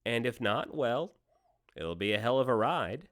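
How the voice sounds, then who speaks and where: A man's voice: medium pitch, sing-song, measured pace, fairly bright tone. An actor playing the Devil in a radio play as a slick, teasing, cynical deal-maker with theatrical salesman patter. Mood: wheedling. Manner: wheedling salesman patter, mock-casual, theatrical swoops.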